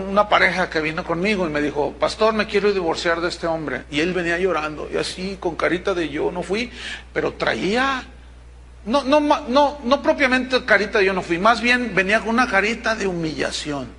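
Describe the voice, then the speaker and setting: A man's voice: high voice, moderate pace, pushed and bright, slight background noise. A middle-aged man preaching a sermon as pastor, emphatic and stopping to check that his listeners follow. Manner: emphatic, with rhetorical check-ins to the congregation.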